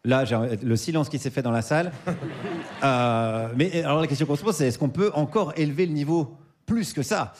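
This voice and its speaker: A man's voice: a little high, moderate pace, slight background noise. A man hosting a radio show in an ironic tone, laughing as he introduces the next segment. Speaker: host.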